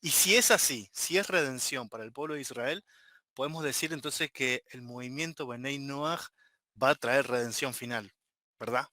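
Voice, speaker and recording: A man moderating an online class, briskly organizing the questions. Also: medium pitch, bright, forceful tone. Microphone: video call.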